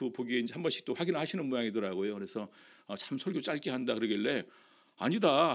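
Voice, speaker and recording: A man with lively intonation. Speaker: pastor. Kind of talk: sermon. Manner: fast.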